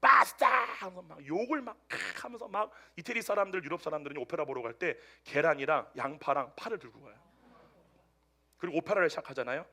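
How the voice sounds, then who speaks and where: Bright, lively-voiced male pastor preaching. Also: on the high side, quick pace, husky. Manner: animated storytelling, swinging between loud outbursts and hushed asides. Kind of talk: Sunday sermon. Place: church service with a congregation answering amen.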